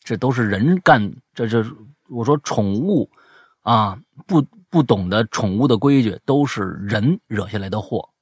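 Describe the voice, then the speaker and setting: A man hosting a casual chat show, telling stories in an animated, emphatic way. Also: fairly low pitch, a little slow, husky, dry recording, clean studio sound.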